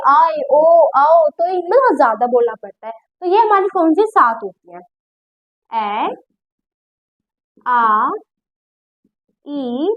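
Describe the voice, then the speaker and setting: A woman with a very high, lively voice gives a grammar lesson. She is patient and repeats each point, and she keeps checking that her students follow along. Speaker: Hindi grammar teacher. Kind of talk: classroom-style lesson explaining at a board.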